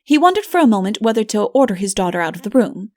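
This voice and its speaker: A woman narrating a fairy-tale audiobook in an expressive storytelling style. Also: medium pitch, quick pace, no echo, clean studio sound.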